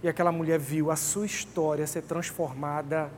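A man's voice: fairly high pitch, level tone, moderate pace, a crowd in the background. A man preaching a sermon in a conversational, emphatic way, often calling out to his listeners. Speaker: pastor. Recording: long hall reverb, faint background noise.

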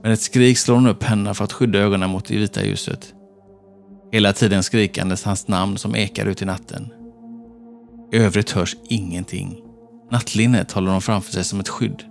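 A man narrating a horror story in a tense, measured storytelling manner. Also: on the low side, fairly even intonation, vocal fry. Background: faint background music.

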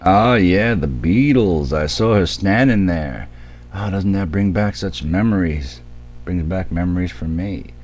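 Low-voiced male radio DJ over music. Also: a little slow, darkish tone. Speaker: radio DJ and show host. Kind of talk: radio DJ patter, ad reads and weather.

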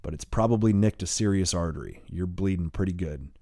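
A man voicing a calm, gruff man in charge who gives orders with dry humor. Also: deep voice, a little fast, dry recording. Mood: commanding. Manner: coolly commanding, drawling.

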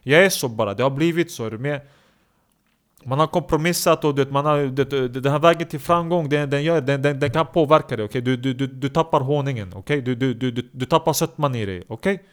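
A man's voice: mid-range voice, close to an everyday voice. A man voicing a subdued, evasive young man who stumbles and repeats his words in a comedy podcast sketch. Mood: earnest.

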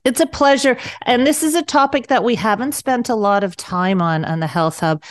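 A woman's voice: fairly high pitch, moderate pace. A woman hosting a radio health show, reading a scripted intro and then asking her guest conversational questions.

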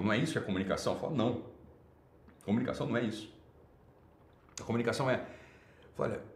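Brazilian male streamer lecturing his chat with emphatic repetition; middle-pitched voice in a roomy space. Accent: Brazilian Portuguese. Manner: emphatic, repeats key words. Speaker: online talk host. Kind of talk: livestream talk answering chat.

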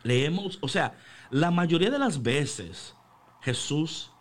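A man co-hosting a casual faith chat on the radio, animated and slipping into English phrases. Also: on the high side, takes it slowly. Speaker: radio devotional co-host.

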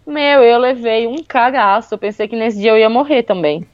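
A woman, telling a travel story in a casual, lively way, full of fillers. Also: fairly high pitch, normal speed, no room sound, dull audio. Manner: lively, with many fillers like "tipo" and "meu".

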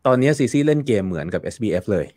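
A man talks through a topic as an interview guest, his voice sitting on the low side. He explains at length, leaning on fillers and repeating words as he thinks. The sound is dry and close. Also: big pitch swings, racing, dark tone, dry recording. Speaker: guest commentator. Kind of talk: casual interview talk.

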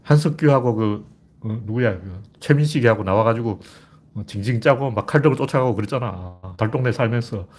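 An older man giving a rambling, blunt, rough-spoken commentary monologue in a casual way. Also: medium pitch, a little fast, darkish tone.

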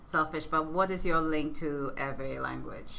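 Low-voiced, bright-toned woman host. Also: a little slow, creaky, a little hiss or hum. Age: 30s. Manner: warm, laughs often, chatty. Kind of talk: casual interview.

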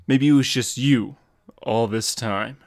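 A man's voice: mid-range voice, dry recording, studio quality. A man reading as a grim masked vigilante. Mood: stern. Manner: earnest, measured, pleading. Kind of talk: dramatic comic reading.

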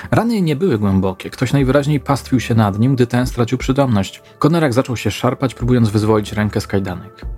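Man reading a slow, measured crime story. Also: on the low side, a little mellow. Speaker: narrator. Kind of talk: scripted true-crime narration.

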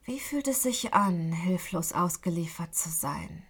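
Woman putting on a cold, slow male kidnapper. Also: fairly low pitch, lively intonation, slightly rough, voice pushed down, exaggerated voice.

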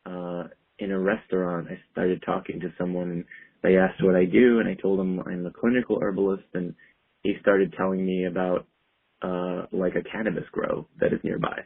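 A man's voice: sits low, level tone, moderate pace, slightly rough. A man, a clinical herbalist, talking as a guest over a speakerphone call in a rambling, easygoing way with lots of fillers. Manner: rambling, full of "like" and "you know". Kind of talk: casual interview talk. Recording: tinny phone line.

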